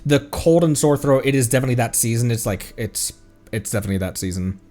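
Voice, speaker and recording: A man's voice: mid-range voice, expressive, fast, dark tone, soft background music. A man chatting casually on a live game stream, thanking viewers and laughing often.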